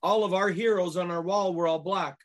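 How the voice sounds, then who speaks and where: Guest, man in his 40s from Canada, fairly high voice, jokey storyteller. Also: fairly even intonation, brisk. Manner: joking, storytelling. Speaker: guest musician. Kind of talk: casual interview chat.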